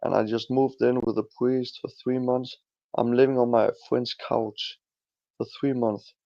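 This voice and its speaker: Gravelly young Danish man, blunt. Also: medium pitch, little pitch movement, unhurried, dark tone, no room sound. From Denmark. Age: 20s. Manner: rambling, blunt, restarts often. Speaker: streamer guest. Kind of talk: casual livestream chat. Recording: muffled lo-fi stream audio.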